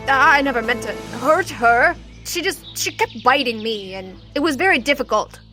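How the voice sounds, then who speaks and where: A woman's voice: sits high, animated, normal speed, over music, voice pushed up. Woman putting on a theatrical villain, raised voice. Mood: defensive, pleading. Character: male villain Ravana, dramatic, defensive bird captor.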